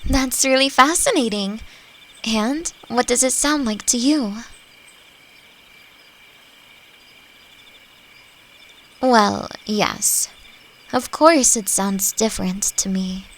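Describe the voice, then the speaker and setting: A woman playing a friendly, playfully teasing elf who teaches magic, speaking gently and reflectively in a roleplay audio drama. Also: mid-range voice, exaggerated voice. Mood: eager, curious. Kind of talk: scripted roleplay audio drama addressed to the listener.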